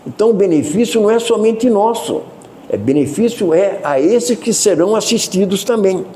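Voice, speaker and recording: A Brazilian man gives a spiritist lecture in a loud voice that never drops, turning to the audience with asides and questions. His pitch sits a little high and swings widely through each phrase. The tone is mellow and warm rather than bright. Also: expressive, moderate pace, a little hiss or hum. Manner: loud, unchanging speaking voice that he cannot lower; conversational, addresses listeners with asides and questions. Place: spiritist center meeting hall.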